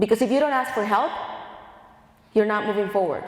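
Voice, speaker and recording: A woman with a Colombian accent speaks at a fairly high pitch. The recording carries noticeable background noise and audible room echo. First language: Spanish. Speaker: motivational speaker. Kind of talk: motivational talk to high school students. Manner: animated.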